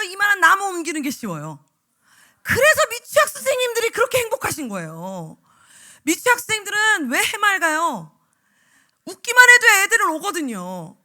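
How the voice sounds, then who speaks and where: Animated, bright-voiced woman preacher. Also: very high voice. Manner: animated, acts out voices of teachers and children. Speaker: evangelist preacher. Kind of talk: lively sermon to church teachers. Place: church sanctuary.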